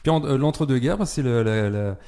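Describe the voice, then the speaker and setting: A man's voice: mid-range voice, brisk, warm tone. A man hosting a casual radio interview, chatting informally with short interjections and tag words.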